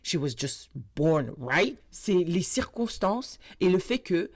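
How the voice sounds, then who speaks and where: A woman co-hosting a podcast, chatting casually and switching between French and English mid-sentence in an animated way. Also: lowish voice, takes it slowly. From Mauritania. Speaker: podcast co-host.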